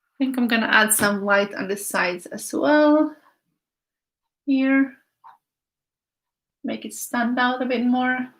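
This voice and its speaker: A woman's voice: on the high side, slow, pauses often. A woman, teaching a casual live painting class, thinking aloud in short phrases as she works and chatting with viewers. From Finland. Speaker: art teacher.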